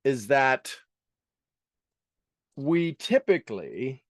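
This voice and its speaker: A man's voice: mid-range voice, sing-song, very slow, dry recording, studio quality. A man teaching a live motivational workshop to an audience, speaking emphatically, repeating key words and dropping casual asides.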